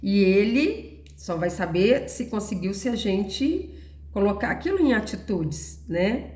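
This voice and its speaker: A woman's voice: medium pitch, very animated, measured pace, darkish tone. A woman giving an earnest, storytelling Christian testimony, sharing her faith in a personal talk. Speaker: Christian devotional speaker. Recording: roomy echo.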